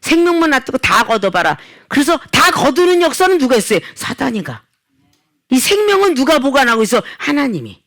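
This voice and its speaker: A middle-aged woman pastor preaching a sermon, swinging between loud and quiet and acting out quoted dialogue. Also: high voice, sing-song, brisk. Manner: acts out quoted dialogue in the talk.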